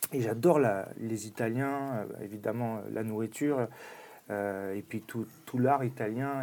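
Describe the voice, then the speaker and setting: A man speaks very slowly, leaving long, frequent pauses. His medium-pitched voice has a dark, mellow tone and ordinary pitch variation. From southern France. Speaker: sports coach and martial arts champion. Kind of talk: casual chat.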